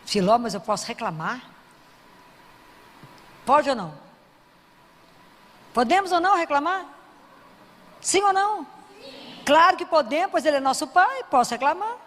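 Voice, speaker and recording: A woman preaching a sermon who quizzes the audience and drops to a soft, low voice for prayers. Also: sing-song, normal speed, long pauses. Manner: asks the audience questions and answers them. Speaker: Christian preacher. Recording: long hall reverb.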